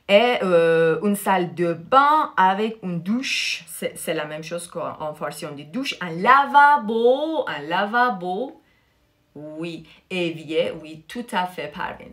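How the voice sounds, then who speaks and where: With a fairly low, slightly bright voice, a woman teaches French in a live online lesson, switching back and forth with Persian, her first language. She repeats every vocabulary word slowly, emphasizing its pronunciation.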